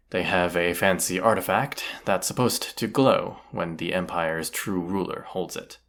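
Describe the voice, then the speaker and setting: A man's voice: low voice, fairly bright tone, heavily acted. A man playing a cocky, teasing, commanding bandit leader in a roleplay audio drama, casual and swaggering. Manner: casual, teasing, swaggering, rhetorical tag questions.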